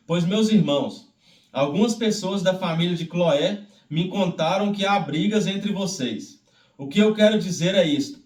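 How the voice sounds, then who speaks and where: A man's voice: high voice, darkish tone. Echoey, distant Brazilian man reading devotionally. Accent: Brazilian Portuguese. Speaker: devotional Bible reader leading prayer. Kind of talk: devotional scripture reading aloud. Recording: roomy, echoey, distant microphone.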